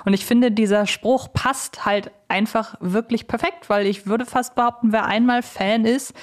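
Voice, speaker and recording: A woman's voice: on the high side, steady tone, normal speed. A woman interviewing a guest in a casual, conversational style as a podcast host.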